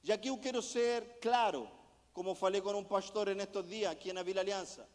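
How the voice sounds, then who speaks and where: A man with a fairly high voice preaches an impassioned sermon, piling up rhetorical questions one after another. His voice carries through a church sanctuary, and a long reverb trails off the walls. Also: steady tone, brisk. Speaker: missionary preacher.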